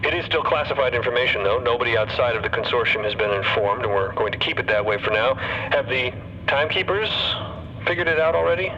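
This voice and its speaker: A man's voice: medium pitch, lively intonation, fast talker, sharp tone, muffled recording, a little hiss or hum. A man playing an officious, fussy commissioner in an audio drama, emphatic and easily flustered. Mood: brisk, probing. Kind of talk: audio fiction podcast acting.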